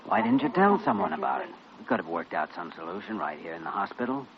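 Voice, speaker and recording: An actor playing a calm, measured young hospital doctor in an old radio drama. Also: male voice, deep voice. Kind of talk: 1950s radio drama acting. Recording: dull lo-fi old radio recording with hiss.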